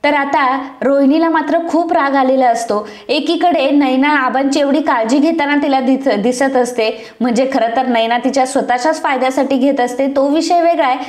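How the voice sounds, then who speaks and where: A woman narrating a TV serial recap in a steady, dramatic retelling style. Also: high voice, normal speed, roomy sound.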